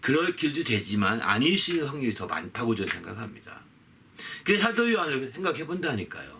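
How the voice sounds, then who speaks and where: Noticeable background noise sits under this recording. A man talks at a fairly quick pace in a fairly high pitch. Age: 60s. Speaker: pastor. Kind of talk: sermon. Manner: halting.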